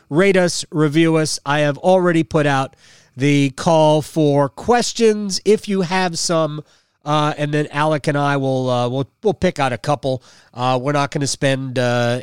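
A man hosting a sports podcast, giving casual post-game commentary in a halting way with drawn-out, emphatic pauses. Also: a little high, clean tone, dry recording, clean studio sound.

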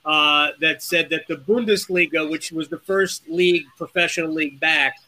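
A man's voice: fairly high pitch, steady tone, normal speed, bright, forceful tone, low-quality recording. A man co-hosting a sports podcast, talking conversationally with lots of fillers. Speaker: podcast co-host. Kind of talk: casual podcast chat.

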